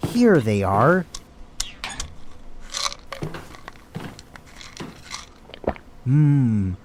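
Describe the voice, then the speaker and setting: Breezy, lowish-voiced hospital colleague acted by a woman. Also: exaggerated voice. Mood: sly, indulgent. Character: breezy hospital colleague with a secret drug habit. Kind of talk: amateur audio drama acting. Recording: noisy home recording.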